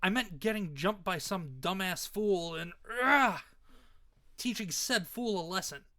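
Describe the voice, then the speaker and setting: A man's voice: high voice, expressive, a little slow, bright, forceful tone, voice pushed up, exaggerated voice. A man voicing a defiant, irritable young superhero son, snappy and defensive, reading from a comic book. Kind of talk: comic book read-aloud.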